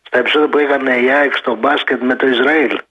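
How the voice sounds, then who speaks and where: A man's voice: medium pitch, steady tone, breathy edge. A man calling a sports radio show, ranting heatedly and repeating his points. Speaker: caller. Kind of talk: casual call-in chat. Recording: muffled phone line.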